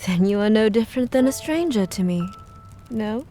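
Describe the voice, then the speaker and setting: A woman playing a pale, eerie, courteous maid in an audio drama, with formal, archaic, measured speech. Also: mid-range voice, lively intonation, dark tone, close to an everyday voice. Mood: composed, enigmatic. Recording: music behind the voice.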